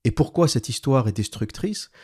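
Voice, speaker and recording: A man's voice: medium pitch, lively intonation, moderate pace, dark tone, slightly rough. A man giving critical commentary while reading a text aloud, glossing terms and adding mocking asides. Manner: explanatory, restating terms. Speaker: video commentator.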